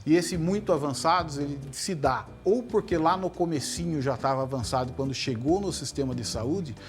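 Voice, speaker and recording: A man, a head and neck surgeon, giving measured explanations in a TV interview. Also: on the high side, soft background music. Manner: measured, many tag questions. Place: TV studio.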